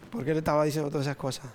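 A Dominican man in his sixties with a Dominican Spanish accent, giving an informal sermon with personal stories, playful and quick to chuckle, dropping in English words. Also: a little high, slight background noise. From Dominican Republic. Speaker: preacher.

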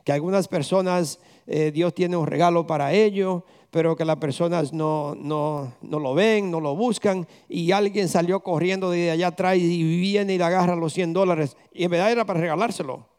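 A man's voice: sits high, steady tone, normal speed, few pauses, darkish tone, clear, resonant tone. A man preaching a conversational sermon as pastor, firing rhetorical questions at the congregation and slipping English words into his talk.

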